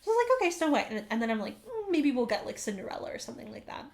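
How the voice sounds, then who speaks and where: Young woman w/ a high voice telling stories on a podcast, laughs a lot. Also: sing-song, rapid-fire, vocal fry. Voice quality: naturally high-pitched voice. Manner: storytelling, laughing. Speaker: guest co-host. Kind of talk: casual chat.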